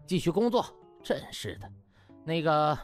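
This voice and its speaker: A man's voice: on the high side, expressive, unhurried, soft background music. A man voicing a cocky, nonchalant young hospital intern in a comic audiobook, with brash, glib delivery. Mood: dismissive. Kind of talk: comic audiobook drama acting.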